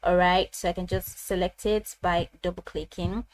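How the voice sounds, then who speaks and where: A woman presenting a casual step-by-step software tutorial, talking haltingly and repeating her phrases as she explains. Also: fairly low pitch, flat delivery, low-quality recording.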